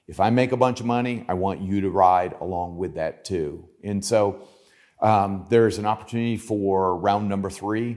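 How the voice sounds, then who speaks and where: A man with an ordinary speaking voice talks at a moderate pace in a fairly low pitch. His intonation is fairly even, and the recording is very clean with a silent background. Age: 50s. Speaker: financial firm founder. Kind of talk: interview. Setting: in-person interview at event.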